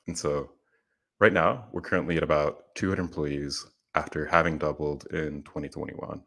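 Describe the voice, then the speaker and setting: A young man from Puerto Rico gives a prepared conference presentation through a headset in a small room. His extremely low-pitched voice keeps an earnest, steady, explanatory delivery.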